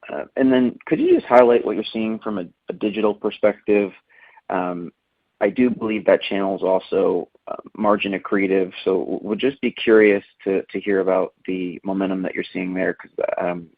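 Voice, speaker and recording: Male analyst with halting phrasing, husky and deep, questioning over a narrow telephone line. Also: no room sound. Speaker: financial analyst. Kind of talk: questioning on an earnings call. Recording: dry, tinny phone-line sound.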